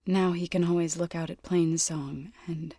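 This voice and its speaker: An actress voicing an earnest young tribal woman warrior in a video game, grave and devout, with measured, careful phrasing. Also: on the low side, steady tone, mellow, slightly rough, dry recording. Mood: wistful. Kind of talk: video game character voice acting.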